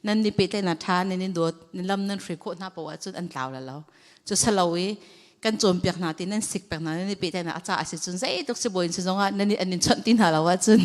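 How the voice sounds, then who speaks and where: Lady running a church training, kinda low voice, chatty, long hall echo. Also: fast.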